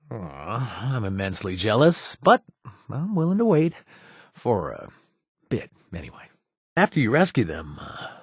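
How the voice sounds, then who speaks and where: A man's voice: mid-range voice, breathy edge, no room sound. An actor playing a playful, flirtatious male companion in a video game, recorded dry in a studio.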